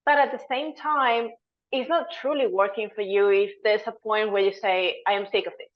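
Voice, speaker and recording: A woman, from Venezuela, speaking as a dietitian guest. She explains earnestly at a mid-range pitch and often searches for her words. The audio is somewhat dull and lo-fi. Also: fairly even intonation, normal speed. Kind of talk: conversational interview answer.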